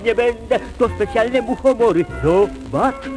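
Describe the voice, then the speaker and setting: A man's voice: very high voice, measured pace. A man voicing a cheerful, greedy little puppet dragon in a singsong way for a children's musical show. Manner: singsong, exclaiming, rhyming delivery. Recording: music behind, old children's record.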